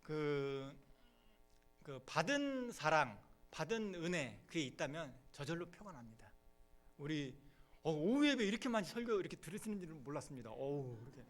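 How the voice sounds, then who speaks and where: Man telling a lively sermon story. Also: fairly high pitch, normal speed. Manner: animated storytelling, acting out characters' lines; laughs and chokes up while telling. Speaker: junior pastor. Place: church sanctuary.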